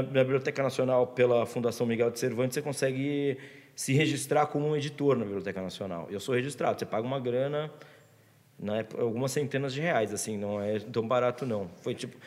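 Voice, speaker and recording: A man's voice: medium pitch, darkish tone, in a large hall. A man with a Brazilian accent, telling a long story in loose, slangy chat with many restarts. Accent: Brazilian Portuguese. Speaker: guest author. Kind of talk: casual chat.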